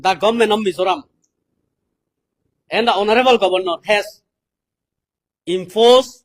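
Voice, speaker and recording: Male political speaker, South Asian accent, notably high-pitched, delivering a deliberate, explanatory public address. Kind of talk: public address, reading English passages and explaining them.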